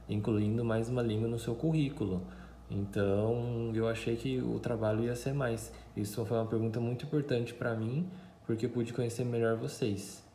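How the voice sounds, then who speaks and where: A man's voice: mid-range voice, mellow. A man whose first language is Mandarin, a teacher chatting casually with his viewers and filling his talk with "né" and "tá". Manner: chatty, many fillers and tag questions. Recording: echoey room, faint background noise.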